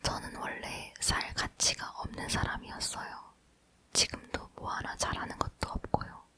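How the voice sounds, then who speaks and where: A woman's voice: normal speed, sharp tone. A woman reading a book aloud as ASMR, leaning in to whisper closely and breathily into a near microphone. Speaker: ASMR reader.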